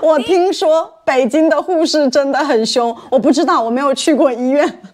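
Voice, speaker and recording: A woman from mainland China hosting a casual podcast chat for Chinese learners, laughing often and getting animated when she tells stories. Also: high-pitched, moderate pace. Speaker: podcast host.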